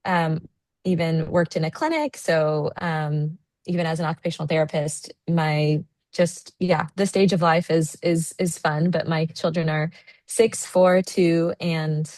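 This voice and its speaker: Sleep-deprived American woman, low and dry. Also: unhurried, darkish tone, no echo. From United States. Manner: chatty, friendly, many fillers. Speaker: guest presenter. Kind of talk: online presentation. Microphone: video call.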